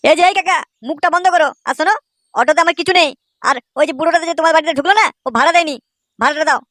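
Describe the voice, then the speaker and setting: A woman's voice: high voice, rapid-fire, a bit bright, no room sound, clean studio sound. A woman voicing an aggrieved, foul-mouthed male rickshaw driver in a comedy cartoon, grumbling and cheeky. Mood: exasperated.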